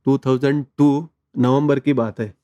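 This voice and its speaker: A man tells his own story as an interview guest. His voice is mellow and relaxed, and he talks earnestly, slipping English words into his speech. The recording is dry and close. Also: medium pitch, a little slow, no room sound. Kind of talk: conversational personal testimony.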